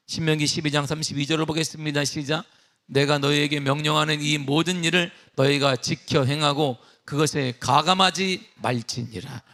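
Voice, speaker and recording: Preaching from a church sanctuary, a middle-aged pastor with a fairly high pitch leads emphatic call-and-response questions and later settles into a relaxed story from his own life.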